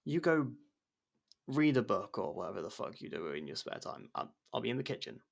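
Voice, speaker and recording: A man playing an abrasive but protective murderer turned investigation partner in an intimate ASMR audio drama, speaking in a halting, guarded way. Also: lowish voice, sing-song, creaky, exaggerated voice. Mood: evasive, awkward.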